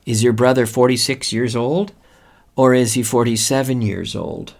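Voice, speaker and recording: A man's voice: medium pitch, normal speed, gravelly. A man hosting a podcast English lesson, patiently going through examples and checking in often, switching between English and Spanish to explain. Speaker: podcast host and English teacher.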